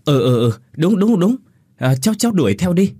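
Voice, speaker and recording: A man voicing a fussy, scolding older mother who wails and stammers in a high-pitched voice. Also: sing-song, measured pace, no echo. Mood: flustered. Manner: shrill wailing scolding, flustered stammer.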